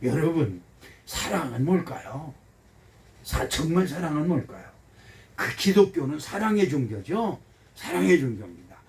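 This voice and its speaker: A man in his seventies, a pastor giving a folksy, animated sermon and asking his congregation questions. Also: a little high, creaky. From Korea. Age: 70s. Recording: voice heard from some distance.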